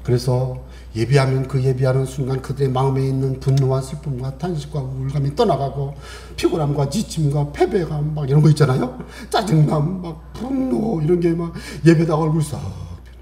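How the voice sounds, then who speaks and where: A middle-aged male pastor giving a lively Sunday sermon. He asks the congregation questions and acts out voices from his stories. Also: medium pitch, moderate pace, reverberant.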